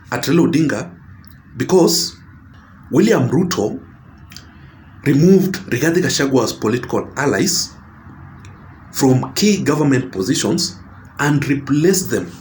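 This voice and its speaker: A Kenyan-accented man talking straight to his audience in a political commentary vlog. His pitch sits in an ordinary middle range. He hammers his points home with repetition and stops to correct himself with "I mean". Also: darkish tone, slight background noise. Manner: emphatic and repetitive, corrects himself mid-sentence.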